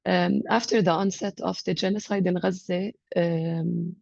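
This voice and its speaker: A woman, speaking on a conference panel with a sick, hoarse voice, measured and full of hesitations. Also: fairly low pitch, steady tone, a little mellow, no echo. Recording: dull, dry sound.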